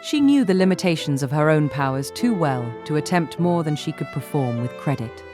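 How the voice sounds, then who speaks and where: Woman reading a classic novel, deep voice, measured, music playing underneath. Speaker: audiobook narrator. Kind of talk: scripted literary narration.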